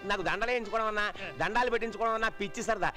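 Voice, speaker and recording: An actor playing a vain, boastful minister who loves pomp and bosses people around, in a film comedy. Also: male voice, sits high, racing, over music, natural voice. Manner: boastful, bossy, mocking. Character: vain showy male minister, loud and boastful.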